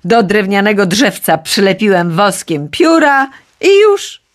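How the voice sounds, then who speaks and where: A woman's voice: medium pitch, measured pace, natural voice. A woman voicing Daedalus, a proud old inventor father giving his son earnest instructions in a storybook.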